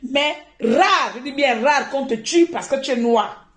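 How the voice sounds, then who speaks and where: Animated woman live-streaming. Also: sits high, moderate pace, roomy sound. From Gabon. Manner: animated, laughing often, turning forceful and indignant.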